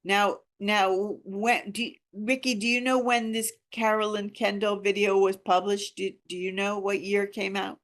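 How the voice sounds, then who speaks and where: A woman's voice: medium pitch, level tone, moderate pace, few pauses. Earnest, emphatic woman in her sixties. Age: 60s. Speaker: reading group leader. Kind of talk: informal group discussion talk.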